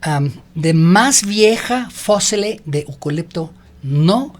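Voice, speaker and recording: A native English-speaking man, appearing as a guest in a radio interview, speaks halting learner Spanish and slips into English fillers. His voice sits high with lively intonation, captured on a studio microphone.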